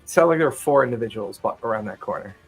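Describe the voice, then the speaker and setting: A man's voice: on the low side, animated, quick pace, gravelly, husky, faint music behind, low-quality recording. A man narrating a tabletop roleplaying game as game master in a casual, improvised way.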